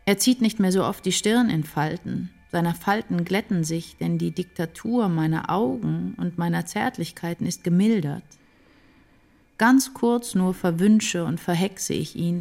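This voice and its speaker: An actress playing an introspective woman writer, narrating her inner life in a measured, literary radio-drama style. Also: on the low side, creaky, a little mellow. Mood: wistful. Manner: measured, deliberate.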